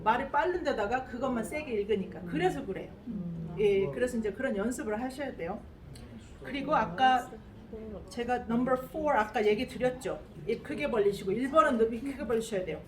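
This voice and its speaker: Higher-voiced woman teaching a lively class. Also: moderate pace, crowd noise. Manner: lively, models sounds and has the class repeat. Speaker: English pronunciation teacher. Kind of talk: classroom lecture with drills. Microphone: distant room mic. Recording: echoey classroom from far off, class audible.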